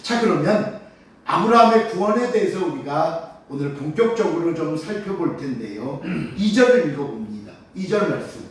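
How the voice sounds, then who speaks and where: A man's voice: on the high side, expressive, normal speed. A male pastor preaching a Sunday morning sermon. He asks rhetorical questions and cues the congregation to read scripture aloud. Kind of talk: Sunday morning sermon, expository Bible teaching. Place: church sanctuary during a worship service. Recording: very echoey church sound from a distant mic.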